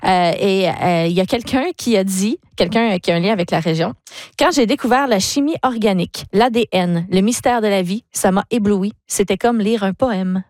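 A woman hosting a radio quiz segment in a lively, easygoing way, with frequent euh fillers. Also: mid-range voice, moderate pace, no echo, clean studio sound. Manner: lively, laughs easily, many euh fillers. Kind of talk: casual radio chat.

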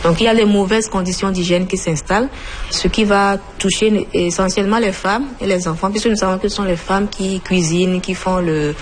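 A woman doctor explaining in a measured, steady way, pausing to find her words. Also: medium pitch, a little hiss or hum. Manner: measured, explanatory, with pauses and fillers. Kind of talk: interview answers.

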